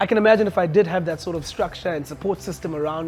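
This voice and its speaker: With music in the background, a man speaks at a very fast pace in a high pitch with ordinary pitch variation. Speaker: radio DJ and entrepreneur. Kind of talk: interview answer.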